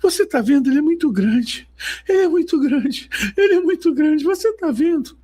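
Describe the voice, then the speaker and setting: A man's voice: very high voice, animated, moderate pace, dark tone, pitched above the performer's own voice. A man voicing a young woman worshipper who cries out in awe and repeats herself frantically. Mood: awestruck, frantic.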